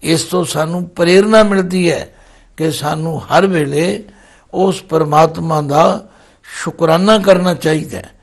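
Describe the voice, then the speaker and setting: Slow, gravelly-voiced preacher man. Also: fairly high pitch. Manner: chants scripture verses slowly, then explains them. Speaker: Sikh scripture expounder. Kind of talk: slow devotional scripture commentary.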